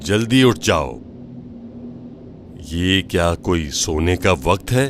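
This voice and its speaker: A man's voice: deep voice, lively intonation, slow pace, a little hiss or hum. A man voicing an insistent man rousing his sleeping comrade, urgent and pressing.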